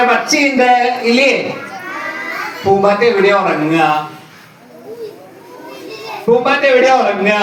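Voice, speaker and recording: Woman teacher at a school event, slow unhurried prompts, children's chatter all around. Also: on the high side. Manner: calling out questions, repeating them, urging louder answers. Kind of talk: coaxing children to answer and sing. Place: large hall full of children. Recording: echoey hall from far off, crowd noise.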